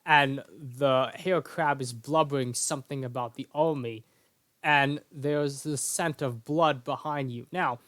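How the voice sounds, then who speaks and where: A man's voice: medium pitch, steady tone, measured pace, fairly bright tone, no echo. Game master man, dry close sound. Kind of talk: narrating a tabletop game, then casual announcements.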